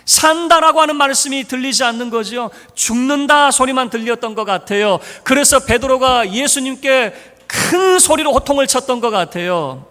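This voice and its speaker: A man preaching a sermon with a high, bright, sharp-edged voice. He plays out the lines of the people in his story with shifting voices. A long hall reverb hangs behind every word, as in a large church sanctuary. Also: lively intonation, normal speed, hardly any pauses. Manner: acts out dialogue of biblical figures in changing voices. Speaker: pastor.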